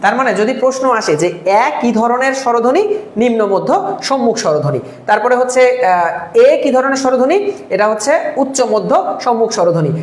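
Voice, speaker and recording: Fast-talking woman teacher, echoey room. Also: on the high side, animated. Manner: repetitive drilling, asks and answers own questions. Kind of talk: live online exam-prep class.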